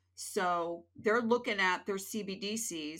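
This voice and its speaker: In a very clean recording with a silent background, a woman speaks in a bright, sharp tone with ordinary pitch variation. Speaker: podcast host. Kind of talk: casual podcast discussion.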